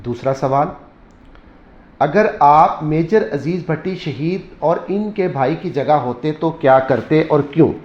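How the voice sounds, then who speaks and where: Man teaching a lesson, echoey lo-fi recording. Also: fairly high pitch. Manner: explains step by step, repeating sentences slowly. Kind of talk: classroom lesson explanation. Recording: echoey room, dull lo-fi sound.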